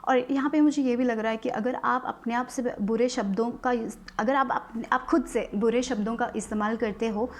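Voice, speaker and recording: Woman with a higher voice giving reassuring card-reading advice. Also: steady tone, moderate pace, few pauses. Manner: mixes English words and phrases into her sentences; reassuring and advising, with frequent filler checks. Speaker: tarot card reader. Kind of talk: casual intuitive card reading to viewers.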